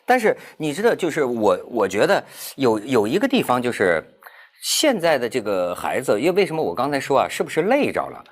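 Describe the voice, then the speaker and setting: A man telling a story in a casual round-table talk, animated, with many restarts. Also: mid-range voice, a little fast. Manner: animated storyteller, stammering restarts, laughs while talking.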